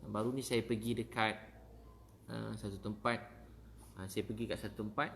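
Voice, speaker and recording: A man's voice: on the low side, little pitch movement, moderate pace, creaky. Man, Malaysian Malay accent, casual Ramadan talk, storytelling, repeats himself, faint background hiss. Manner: warm storytelling, repeats phrases. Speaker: preacher.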